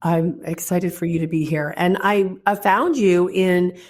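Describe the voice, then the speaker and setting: A woman's voice: on the low side, fairly even intonation, a little slow, a little mellow. A woman hosting an interview show from a hotel room, chatty and enthusiastic, sounding stuffy like she has a head cold. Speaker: podcast host. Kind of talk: casual interview chat.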